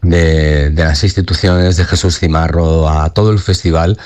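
Deep-voiced man in his fifties, earnest. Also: fairly even intonation, normal speed, a little mellow. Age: 50s. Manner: earnest, with many repeated words and tag questions. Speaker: dancer and dance company director. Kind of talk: radio interview.

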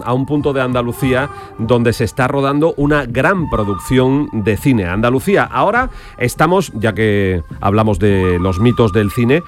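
A man hosting a radio call-in show, enthusiastic, often repeating his words. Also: medium pitch. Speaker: radio host.

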